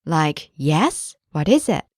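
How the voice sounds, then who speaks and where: A woman co-hosting a language lesson, modeling phrases clearly and adding short explanations. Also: deep voice, very animated, takes it slowly, darkish tone, no echo, clean studio sound. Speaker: native-speaker co-host of a language lesson. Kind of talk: scripted lesson dialogue.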